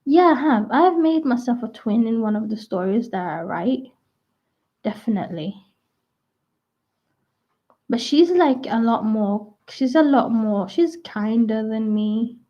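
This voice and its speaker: A young adult woman rambling casually to her viewers, full of "like" and restarts, her voice croaky at times. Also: a little high, expressive, measured pace, mellow. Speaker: vlogger. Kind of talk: rambling casual chat to camera. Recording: dull lo-fi sound.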